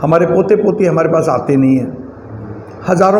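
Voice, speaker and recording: Amid noticeable background noise and audible room echo, a man with a high pitch speaks at a moderate pace with ordinary pitch variation. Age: 60s. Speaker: businessman and politician. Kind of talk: interview.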